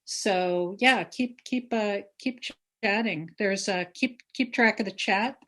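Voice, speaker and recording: A woman's voice: medium pitch, slow, fairly bright tone. Casual woman hosting an event. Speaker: event host, moderator. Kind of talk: informal event announcements.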